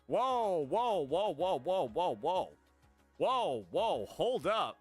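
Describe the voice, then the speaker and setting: Streamer guy, high animated voice, sarcastic and defensive, faint music. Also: slow, husky. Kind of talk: livestream reaction.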